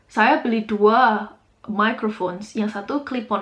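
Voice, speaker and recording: Amid noticeable background noise, a woman speaks at a fairly slow pace in a fairly high voice. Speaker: psychotherapist and podcast host. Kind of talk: casual podcast monologue, Indonesian-English code-switching. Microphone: laptop with poorly compatible mics, messy audio.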